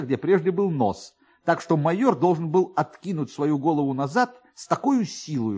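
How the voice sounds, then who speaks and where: Husky, animated male storyteller. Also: a little high. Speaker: narrator. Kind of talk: expressive literary narration.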